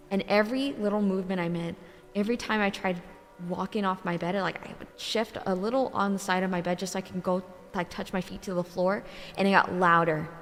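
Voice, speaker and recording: A young woman streamer telling a true ghost story in casual, animated speech, swearing often and filling with "like". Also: medium pitch. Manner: animated, swears a lot, many filler likes. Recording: long reverb, faint music behind.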